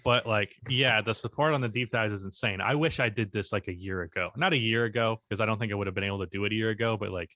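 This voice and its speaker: A young man co-hosting a casual podcast, speaking in an even, unexpressive tone and swearing casually. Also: on the low side, quick pace, few pauses, dry recording. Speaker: podcast co-host and YouTuber.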